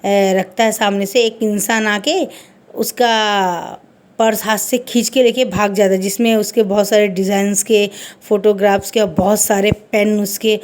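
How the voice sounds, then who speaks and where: A woman's voice: mid-range voice, fairly even intonation, a little slow, a little mellow. A woman telling a romance fan fiction story aloud in a rambling, conversational way.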